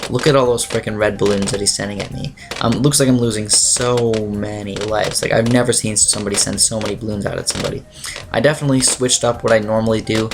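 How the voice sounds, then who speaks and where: A teenage man with a raspy, dry voice chatting casually over his gameplay as a gaming YouTuber, rambling with lots of fillers and clearing his throat. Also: fairly low pitch, fairly even intonation, quick pace, background noise.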